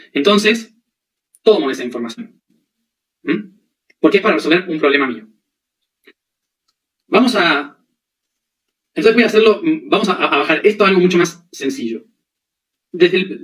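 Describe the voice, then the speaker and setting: A man's voice: fairly high pitch, a bit bright, recorded from a distance, poor audio. Man lecturing from off the mic. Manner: explains with everyday examples and frequent checking questions. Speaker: spiritual teacher. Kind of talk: spiritual lecture.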